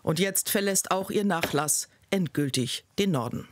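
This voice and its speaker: A woman reading a scripted news report in a measured, even way. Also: lowish voice, background noise.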